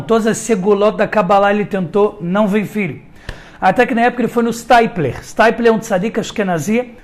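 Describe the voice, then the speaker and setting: High-voiced rabbi telling a story. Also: male voice. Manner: animated storytelling teacher, addresses the audience directly. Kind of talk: Torah lesson storytelling. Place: Israel.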